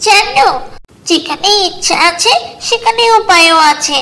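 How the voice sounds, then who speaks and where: In a cartoonish character voice, a female-sounding speaker goes at a very slow pace, squeaky and extremely high in pitch. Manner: flirtatious, giggling, manipulative.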